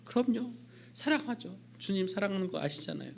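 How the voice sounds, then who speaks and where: An anguished, pleading disciple, as a preacher puts him on, his voice lifted well above the speaker's own. He sounds earnest and remorseful, as if begging to be believed. It is a quick sketch acted inside a sermon retelling. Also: high voice, animated, vocal fry, slight background noise, voice pushed up. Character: pleading remorseful male disciple, middle-aged.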